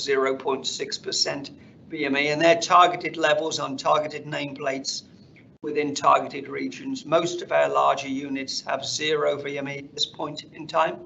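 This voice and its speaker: A man speaking as a company finance executive, presenting slides on an earnings call in a measured corporate delivery. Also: on the high side, gravelly, fairly bright tone. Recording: dull conference call audio, faint noise.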